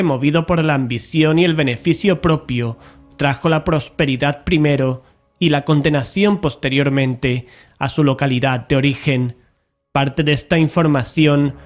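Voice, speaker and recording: A man's voice: a little high, lightly acted. A man playing an investigator who chronicles sinister events, narrating an audio drama in a solemn, formal way.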